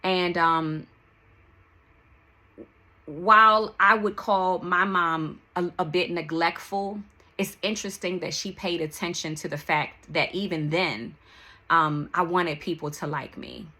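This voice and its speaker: A woman with a D.C. records a personal podcast monologue. Her voice is very bright and forward, sitting a little low. She speaks slowly and candidly, breaking her reflective sentences into short, halting pieces. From Washington, D.C., United States. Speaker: podcast host.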